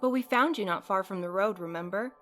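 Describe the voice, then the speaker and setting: A woman acting as an inquisitive friend in an audio drama. She talks casually and helpfully, explaining as she goes. The delivery is relaxed dialogue, like everyday conversation. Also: medium pitch, a little fast, soft background music, lightly acted. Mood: puzzled, explaining. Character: helpful, inquisitive female friend piecing things together.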